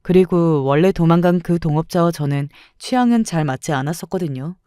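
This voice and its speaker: A woman tells her own story in a calm, confiding, reflective tone with a mellow, soft-edged voice. The recording is dry and close with no room sound. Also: on the low side, fairly quick, smooth, dry recording. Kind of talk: first-person story narration.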